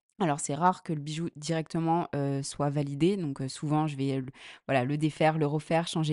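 At a moderate pace, a woman speaks in a monotone, flat intonation with a very deep, low pitch, over a quiet background. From Aix-en-Provence, southern France. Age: 30s. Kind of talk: casual interview.

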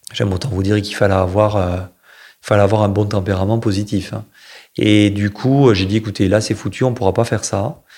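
Fairly low-pitched male voice at a fairly quick pace, with fairly even intonation, on a very clean recording with a silent background. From Millau, Aveyron, southern France. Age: 40s. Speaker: glove-making business owner. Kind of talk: interview. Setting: in his office. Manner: hesitant, many fillers.

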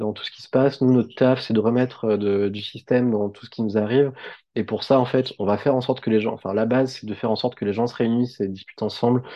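At a very fast pace, a man speaks at a medium pitch in a monotone, flat intonation, with big swings in loudness. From France, Savoie. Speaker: popular education trainer. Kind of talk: interview conversation. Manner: hesitant with repetitions.

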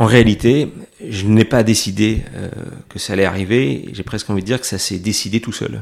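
With vocal fry and a fairly low pitch, a man talks at a moderate pace with ordinary pitch variation and big swings in loudness, on a very clean recording with a silent background. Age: 40s. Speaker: travel agency president. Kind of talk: interview. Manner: hesitant, many fillers and repetitions.

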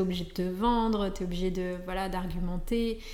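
A woman speaks with fairly even intonation, with noticeable background noise and audible room echo around her. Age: 30s. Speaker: entrepreneur and business coach. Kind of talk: casual chat.

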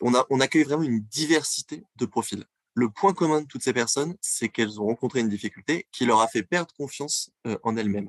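This is a normal speaking voice from a man, medium in pitch with ordinary pitch variation. He talks at a fairly quick pace, and the sound is dry and close with no echo. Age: 30s. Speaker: social entrepreneur. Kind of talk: interview.

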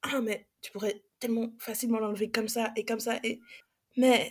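A woman with a fairly high pitch speaks at a moderate pace in a monotone, flat intonation. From Brussels, Belgium. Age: 20s. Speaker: climate activist. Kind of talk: podcast interview. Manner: halting, repeats words.

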